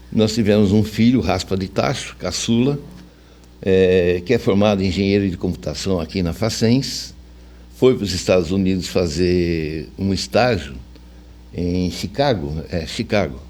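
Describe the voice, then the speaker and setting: Speaking unhurriedly in a low, darkish voice, this older man with a Brazilian accent, a veteran radio journalist, relaxes into colloquial anecdotes as an interview guest.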